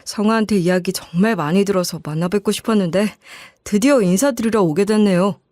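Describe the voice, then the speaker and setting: Woman acting a polite young man, courteous, formal, deferential, storybook drama, medium female pitch. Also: brisk, darkish tone, dry recording, studio quality, close to an everyday voice. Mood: courteous, respectful. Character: polite, well-mannered young man greeting future in-laws.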